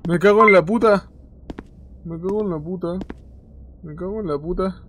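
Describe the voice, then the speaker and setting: A man's voice: sits high, normal speed, fairly bright tone, a little hiss or hum. A young man with a Chilean accent giving let's play commentary on a horror game, swearing often and yelping in fright. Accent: Chilean Spanish. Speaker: gaming youtuber.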